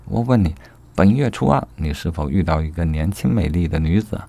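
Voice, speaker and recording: A man voicing a bold, sharp-tongued young maid who scolds in a quick, shrill voice. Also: lively intonation, creaky, full character voice. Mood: demanding.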